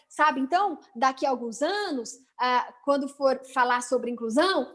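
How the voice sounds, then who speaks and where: A woman with a high voice and a Brazilian Portuguese accent, speaking over a video call. She is a teacher, chatty and expressive, full of rhetorical questions and quick asides. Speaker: teacher, invited guest. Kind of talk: casual web conference talk.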